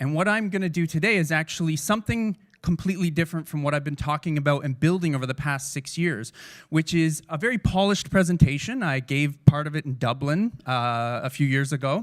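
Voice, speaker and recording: In a very clean recording with a silent background, a man with a Canadian accent talks at a fairly quick pace in a fairly high pitch, with ordinary pitch variation. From Canada, Toronto. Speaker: ALS research scientist. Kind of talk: conference presentation. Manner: fast; animated.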